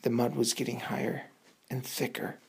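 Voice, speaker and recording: Very deep, husky female storyteller. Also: level tone, moderate pace. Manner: suspenseful, repeating words for effect, with hushed asides. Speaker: bedtime storyteller. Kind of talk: dramatic improvised bedtime storytelling for children.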